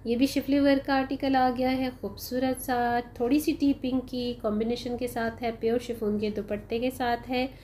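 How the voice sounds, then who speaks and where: A woman talks viewers through clothes on sale in a casual vlog voice-over, unhurried and sprinkled with fillers. Her voice sits a little high but sounds mellow and warm. Faint noise hums under the recording. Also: little pitch movement. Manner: chatty, unhurried, frequent "uh" fillers, addresses viewers as "janab" and "bhai". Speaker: shopping vlogger.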